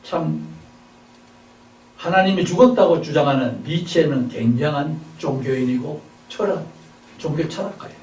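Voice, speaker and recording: A man preaching a sermon, asking rhetorical questions and swinging between loud and soft delivery. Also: on the high side, normal speed, a little hiss or hum. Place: seminary chapel service. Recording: echoey hall, mic at a distance.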